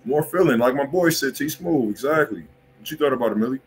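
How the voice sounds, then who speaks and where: A man's voice: medium pitch, animated, fast talker, a little hiss or hum. A man with an American accent hosting a music review in casual, slangy, profane talk full of repeated catchphrases. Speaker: music review show host. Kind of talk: casual chat, live music feedback. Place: indoor room, livestream.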